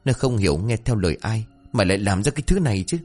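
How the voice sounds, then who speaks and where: A man voicing a gruff, worried older village father who lectures urgently. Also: fairly low pitch, lively intonation, quick pace, a little mellow, faint music behind. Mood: alarmed.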